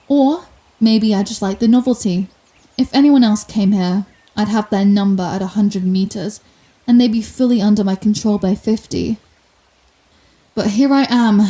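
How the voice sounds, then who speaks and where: Woman as female supervillain for ASMR audio drama: soft-edged mellow tone, mid pitch, sarcastic, menacing, secretly caring. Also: close to an everyday voice. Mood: exasperated, mocking. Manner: taunting, theatrical, sarcastic. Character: sardonic female telepathic supervillain, menacing yet secretly compassionate.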